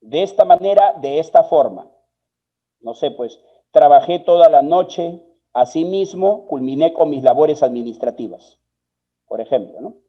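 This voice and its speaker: A man from Peru gives an online workshop lecture on spelling and grammar, explaining each rule step by step. His voice sits a little high for a man. The stream audio is slightly dull and lo-fi. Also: lively intonation, a little slow. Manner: patient, explanatory, answers viewers' questions by name. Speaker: spelling and writing instructor.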